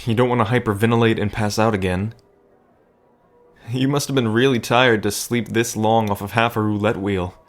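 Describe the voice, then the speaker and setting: A gentle bartender acted by a man with a slightly low voice. He is nervous and earnest, rambling softly and hesitantly as if speaking right to the listener in an audio drama. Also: steady tone, moderate pace, natural voice. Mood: concerned, reassuring. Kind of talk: intimate audio drama acting addressed to listener.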